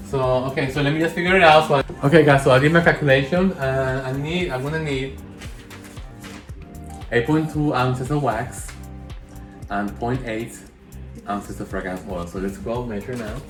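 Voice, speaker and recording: A man's voice: mid-range voice, steady tone, normal speed, pauses often. A man with a Spanish accent talking through a candle-making session in a casual, rambling way, often correcting himself as he goes. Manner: rambling, self-correcting, chatty. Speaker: candle maker. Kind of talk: casual hands-on tutorial. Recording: roomy echo, faint music.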